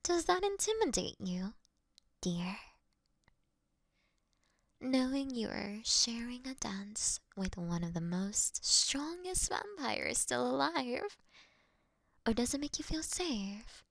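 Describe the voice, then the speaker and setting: A woman acts out an age-old, aristocratic vampire mistress in an intimate audio drama. She speaks slowly and softly, in a breathy near-whisper edged with vocal fry. Her diction is elegant and formal, charming and teasing with a gently commanding temper. The sound is dry and close. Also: on the high side, big pitch swings, no room sound, heavily acted. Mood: dominant, protective.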